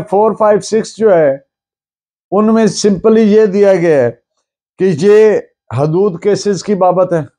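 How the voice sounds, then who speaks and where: A man with a Pakistani accent giving an explanatory law lecture in a deliberate way, repeating for emphasis and mixing in English terms. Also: sits high, dark tone.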